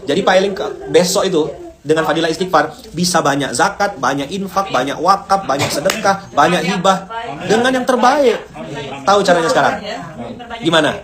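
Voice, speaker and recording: A man from Indonesia gives an easygoing religious talk to a small gathering. He speaks in a slightly raised voice, animated and joking, and has listeners repeat his lines. A crowd murmurs clearly around him. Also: on the high side, normal speed. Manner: animated, joking, repeats phrases for the group to echo. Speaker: preacher. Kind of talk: informal religious talk with a group.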